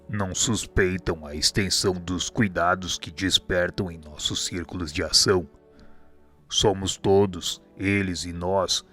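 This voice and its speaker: A man voicing a wise, elderly spirit instructor in a radio drama, speaking in a calm, measured, teaching manner. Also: low-pitched. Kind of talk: amateur radio drama acting.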